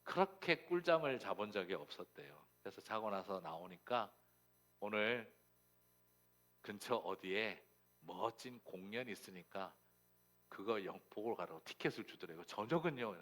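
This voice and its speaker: A middle-aged male pastor tells a sermon story in a fairly low voice. He acts out the quoted dialogue, swinging between hushed asides and loud, animated outbursts. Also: measured pace. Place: church sanctuary.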